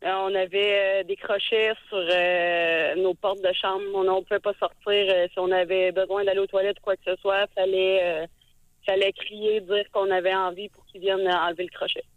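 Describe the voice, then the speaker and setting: A Québécois woman in her thirties calling in to a radio show, talking hesitantly with many filler pauses over a phone line. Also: medium pitch, level tone, no room sound. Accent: Québécois French. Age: 30s. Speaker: radio caller. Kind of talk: call-in talk. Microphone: telephone.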